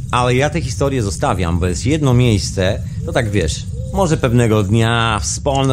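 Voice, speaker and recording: A man at medium pitch makes very wide pitch swings. Music plays in the background amid audible room echo. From Poland, Wrocław. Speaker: radio host. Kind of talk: solo radio monologue storytelling. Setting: radio studio, seated at microphone. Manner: casual, conversational.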